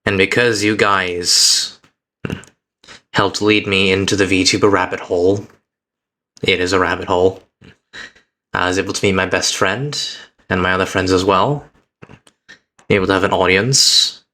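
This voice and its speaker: Earnest low-voiced man, bright tone. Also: steady tone. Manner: earnest, reflective, uneven pace with halting restarts. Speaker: VTuber streamer. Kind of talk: heartfelt personal speech to stream chat.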